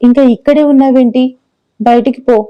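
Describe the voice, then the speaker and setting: A woman's voice: high-pitched, steady tone, moderate pace, dull audio, lightly acted. A woman voicing a rude, haughty young female office manager who talks down to others in a scornful, commanding way.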